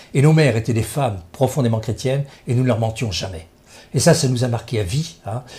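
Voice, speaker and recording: A man talks at a fairly quick pace and medium pitch, his dark, mellow tone somewhat breathy and his intonation lively. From France, Poitiers and Vendée. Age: 70s. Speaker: guest on talk show. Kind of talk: interview testimony. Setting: live web TV open-line show. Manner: hesitant, many fillers.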